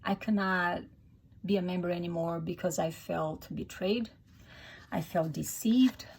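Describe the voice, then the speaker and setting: A faint hiss or hum sits under a middle-aged Brazilian YouTuber speaking English with her native Portuguese accent. Her fairly low, darkish voice runs a little slow as she talks earnestly to camera, restarting hesitantly.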